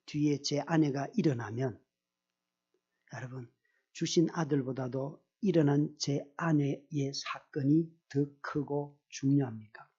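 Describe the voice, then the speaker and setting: A middle-aged male pastor preaching a sermon with personal testimony, telling it in an animated way, acting out his own prayers and putting questions to the congregation. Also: fairly high pitch, unhurried, breathy edge. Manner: animated storyteller, acts out quoted prayers, asks the congregation questions. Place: church service. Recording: dull lo-fi recording.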